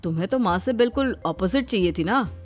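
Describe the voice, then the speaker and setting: A woman's voice: mid-range voice, lively intonation, brisk, soft background music, close to an everyday voice. A woman voicing a teasing young husband. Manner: mocking, amused.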